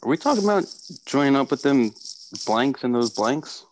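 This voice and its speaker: A man's voice: medium pitch, sing-song, normal speed, no echo, close to an everyday voice, rough recording. A man playing a blunt, stubborn, bigoted miner in his forties in a script table read. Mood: uneasy, stubborn.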